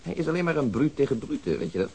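Male, radio drama policeman: thoughtful and reasonable, brisk speech, faint background noise. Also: on the high side, very animated, a little mellow. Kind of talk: naturalistic radio drama acting.

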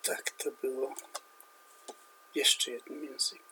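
A man reading a poem aloud and commenting on it in a slow, deliberate, declamatory way. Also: medium pitch, little pitch movement, bright, forceful tone, a little hiss or hum. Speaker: literary commentator. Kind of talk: poetry reading and literary commentary.

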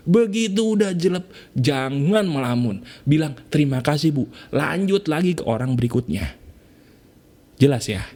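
A man's voice: fairly high pitch, very animated, measured pace, dark tone. Man giving a punchy motivational talk. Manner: direct, coaching, acts out little scenes. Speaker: motivational speaker.

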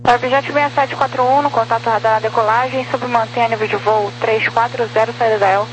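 High-pitched Brazilian woman controlling air traffic by radio. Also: fairly even intonation, brisk, over music. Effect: aviation radio. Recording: noisy humming aviation radio link.

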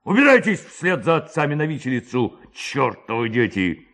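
A man's voice: medium pitch, big pitch swings, normal speed, fairly bright tone, voice pushed up. A man voicing an angry older village headman who scolds and curses in a dramatised reading of a classic tale. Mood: indignant, scolding. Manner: blustering, scolding.

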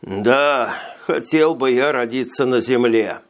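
A man doing a frail, slow-spoken alien telepath. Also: mid-range voice. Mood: wistful. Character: small frail alien male telepath, jittery.

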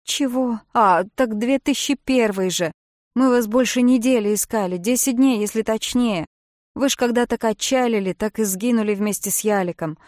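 A woman reading a kindly, flustered male boat-rental owner, talking in loud, excited exclamations. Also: fairly high pitch, moderate pace, dry recording, clean studio sound, voice pushed up, natural voice. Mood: reassuring.

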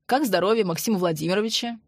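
A woman's voice: mid-range voice, quick pace, no room sound, close to an everyday voice. A woman voicing a young man who talks in a dry, teasing way. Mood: wry. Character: young man, wry and joking.

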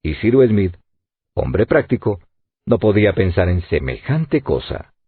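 A man narrating an audiobook in an expressive, lively reading, with narrow phone-like sound. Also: lowish voice, unhurried, husky, no echo. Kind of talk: scripted narration.

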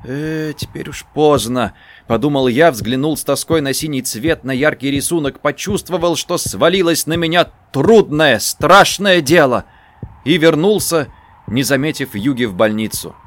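A man giving a dramatic first-person literary narration, tense and shifting between hushed and urgent delivery. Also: fairly high pitch, normal speed, no room sound. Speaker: audiobook narrator.

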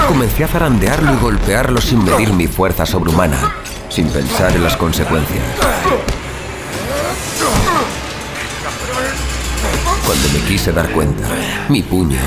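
A man playing a tormented superhuman vigilante who narrates his own fall into violence in a brooding, dramatic horror audio drama. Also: low-pitched. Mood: grim, intense. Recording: dramatic music behind the voice.

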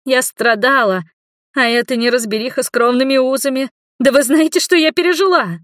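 A woman reading a story, voicing a bitter young adult daughter who shouts through tears at her father. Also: high voice, sing-song, slow, dry recording, studio quality, pitched above the performer's own voice, full character voice. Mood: tearful outburst. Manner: shouting, tearful, accusing.

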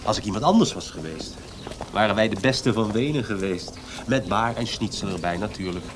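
A man's voice: lowish voice, lively intonation, close to an everyday voice. Plaintive, melancholy young poet played by a man. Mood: resigned. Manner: plaintive, halting. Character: melancholy, hypochondriac young poet, self-pitying and fragile. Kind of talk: Dutch radio drama acting. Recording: radio play with noisy background ambience.

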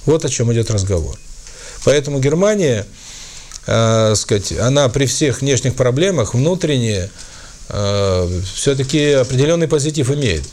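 A man's voice: mid-range voice, lively intonation, moderate pace, a little mellow. A man giving a spiritual talk to an audience, speaking with frequent fillers and restarts. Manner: hesitant, many fillers and restarts. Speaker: spiritual lecturer and author. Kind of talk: lecture with audience questions.

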